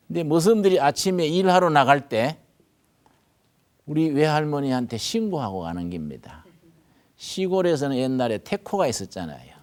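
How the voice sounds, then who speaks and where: Older man, pastor, gyeongsang korean accent, folksy storytelling sermon, hushed asides, loud emphatic bursts. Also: mid-range voice. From North Gyeongsang, Korea.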